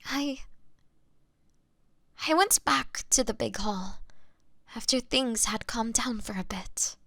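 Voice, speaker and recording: A woman playing a gentle young female vampire in an audio roleplay, apologetic and halting, with a breathy voice that often drops to a whisper. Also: on the high side, dry recording, clean studio sound, exaggerated voice. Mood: subdued, regretful. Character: gentle young female vampire, remorseful, fighting her bloodlust. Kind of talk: scripted dramatic audio roleplay monologue.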